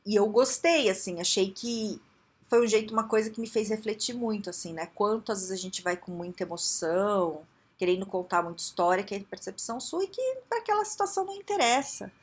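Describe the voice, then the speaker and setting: A woman with a Brazilian accent, a coach giving casual advice in an animated way, laughing often and acting out quotes. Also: medium pitch, fairly quick, husky. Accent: Brazilian Portuguese.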